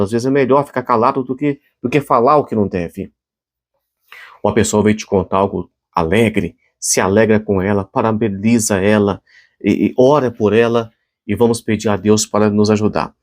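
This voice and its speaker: A man's voice: lowish voice, darkish tone. Earnest man preaching a short devotional. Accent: Brazilian Portuguese. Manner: earnest, conversational preaching with frequent restarts and fillers. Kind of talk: short devotional sermon with prayer.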